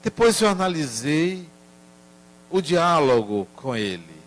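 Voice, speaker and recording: An older man giving a spiritist lecture, telling a family story in a gentle, measured way. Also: fairly high pitch, big pitch swings.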